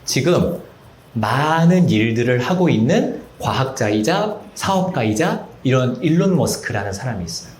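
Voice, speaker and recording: Animated man teaching a church class. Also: medium pitch, moderate pace, a little hiss or hum. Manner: animated, acts out dialogues. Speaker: church lecturer. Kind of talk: Bible study lecture. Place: church hall. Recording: echoey hall.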